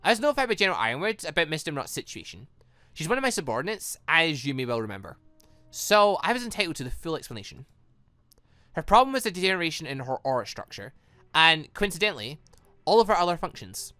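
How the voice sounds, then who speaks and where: A man voicing a calm, shrewd, formal academy headmaster in a visual novel, speaking in a measured, deliberate way. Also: on the high side, no echo. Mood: probing, formal. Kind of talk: visual novel character reading.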